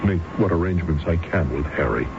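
An actor playing a calm, practical man who takes charge, in a 1970s radio drama. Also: low-pitched, fairly quick. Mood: concerned. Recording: dull radio recording, loud music.

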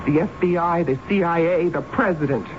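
A woman's voice: on the low side, brisk, close to an everyday voice. An actress playing an insistent, frightened woman who is sure of her alien warnings, in a 1970s radio drama. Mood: urgent, desperate. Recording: dull, noisy radio recording.

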